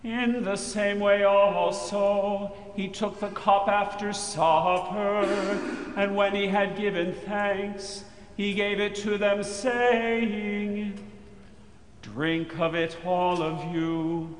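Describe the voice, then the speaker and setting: A man with a high voice leads the liturgy, chanting each phrase slowly and solemnly. His words ring out in a cathedral-like echo that hangs in the large chapel. Faint room ambience sits underneath. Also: fairly even intonation, faint music behind. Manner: slow, measured, solemn intoning. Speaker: chapel service officiant. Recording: echoey chapel with long reverb, faint ambience.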